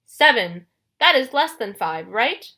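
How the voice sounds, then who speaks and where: Woman narrator acting giant Cyclops, gruff, impatient, blunt, loud bellowing demands, storybook monster. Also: on the high side, big pitch swings, takes it slowly, exaggerated voice. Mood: gruff, demanding. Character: huge, half-blind, gruff, impatient male Cyclops monster.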